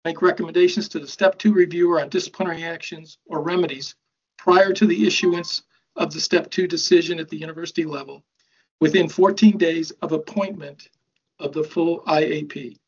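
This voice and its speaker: A man speaking in a formal bargaining meeting over a video call, measured and procedural. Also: a little high, steady tone, slightly rough, lo-fi sound. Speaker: university bargaining representative.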